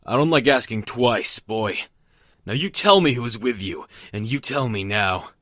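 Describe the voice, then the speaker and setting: A man playing a gruff, suspicious rural rifleman in an audio drama, folksy and threatening, easily rattled. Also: medium pitch, lively intonation, normal speed, sharp tone, dry recording, clean studio sound. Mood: menacing, suspicious. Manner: folksy, threatening, barking orders.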